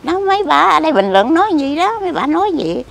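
Outdoors near a cemetery, a frail, weak older woman is interviewed and chats casually in a rambling, repetitive way. Her high-pitched voice is sing-song and fast, with vocal fry.

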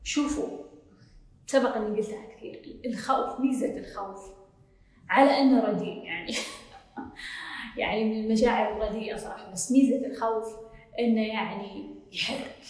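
A woman's voice: a little high, normal speed, long pauses. A woman with a Gulf Arabic accent, a self-development coach answering questions in casual Q&A talk, speaking emphatically and reassuringly and often repeating her points. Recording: very echoey long reverb.

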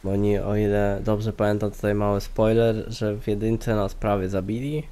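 Low-voiced congested man doing game commentary. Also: flat delivery, normal speed, mellow. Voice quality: nasal. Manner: rambling, unsure, self-questioning. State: sick, congested. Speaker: gaming video host. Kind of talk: casual let's play commentary. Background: game music.

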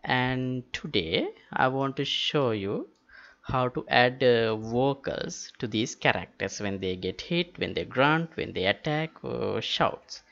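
A man walks through a software tutorial, slowly and haltingly. His voice has a creaky edge and stays matter-of-fact. The recording is dull and lo-fi. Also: mid-range voice, lively intonation. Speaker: tutorial host. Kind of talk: step-by-step software tutorial narration. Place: indoors, screen-recording voice-over. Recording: dull lo-fi voice-over with clicks.

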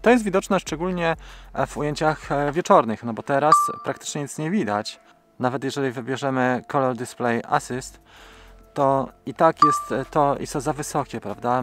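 Over loud music, a drone video creator in his forties speaks in a mid-range voice at a moderate pace. He explains things step by step in a practical tutorial as he flies a drone over open grassland, with filler sounds between his phrases.

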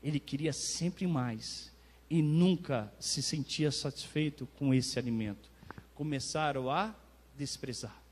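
A man's voice: medium pitch, unhurried, husky. A man with a Brazilian Portuguese accent, a pastor giving an emphatic sermon to his congregation in a church hall. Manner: emphatic preaching, swells loud on key phrases, talks directly to congregants. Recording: long reverb of a church hall.

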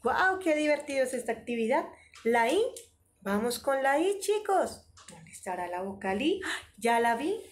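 A woman's voice: sits high, very animated, normal speed. A woman teaching an online preschool lesson, talking in an exaggerated, sing-song, encouraging way.

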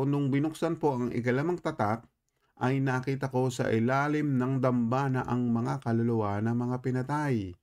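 A man teaches a Bible passage in an even, middle-range voice. His manner is courteous and full of respectful particles. He keeps putting questions back to the listeners and asks whether it is clear. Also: mid-range voice. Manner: questioning, repeatedly checking understanding with listeners; polite, with frequent respectful particles. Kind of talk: explaining scripture to listeners.

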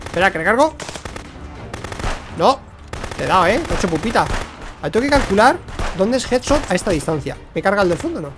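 Excitable gaming streamer, man. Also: high-pitched, fast talker, pauses often. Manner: excitable, shouts during firefights, jokey. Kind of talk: gameplay commentary. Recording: faint gunfire noise behind.

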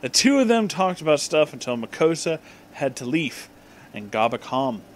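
A man's voice: fairly high pitch, sing-song, moderate pace. A man hosting a comic reading of fan fiction, exaggerating misspelled words and dropping in mocking, profane asides.

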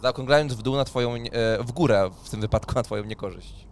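A man acts as game master, describing scenes of a tabletop role-playing session. His voice sits in a middle register. He improvises haltingly, often repeating a word before he moves on. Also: medium pitch. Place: indoor streaming room. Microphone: microphone on boom arm, close, with headphones.

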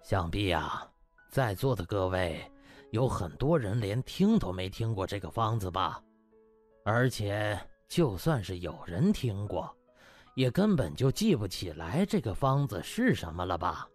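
男人演绎的严厉训人的老院长，起伏很大. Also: male voice, on the low side, sing-song, faint music behind, voice pushed down. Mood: smug, measured. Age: older. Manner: slow drawn-out scolding, rhetorical questions. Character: stern disappointed old male hospital director, scolding, contemptuous.

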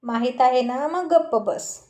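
A teasing, stern old grandfather from a spoken story, as a woman narrator puts him on, fond of ribbing his grandson and laying down the law. The voice is mellow and fairly high, recorded in an echoey room. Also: measured pace. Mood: scolding. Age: older. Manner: teasing, scolding.

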